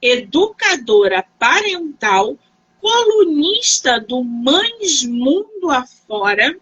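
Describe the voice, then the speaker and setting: A woman hosting an interview, asking questions in a warm, encouraging manner. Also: sits high, very animated, slow pace, muffled recording. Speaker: interview host. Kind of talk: casual interview over a live stream.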